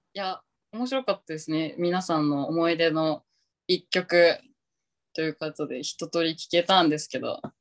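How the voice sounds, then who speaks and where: A woman with a plain, everyday voice, fairly low in pitch, at a moderate pace with ordinary pitch variation, in a dry, close sound with no echo. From Japan, Aichi. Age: 20s. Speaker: podcast host. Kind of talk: casual chat. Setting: live recording with audience. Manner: laughing often.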